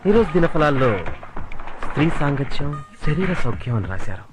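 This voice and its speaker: A man's voice: on the high side, big pitch swings, brisk. An actor voicing a teasing, flirtatious man chatting up a woman in a dubbed film scene. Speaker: flirtatious man offering a lift. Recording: film music underneath.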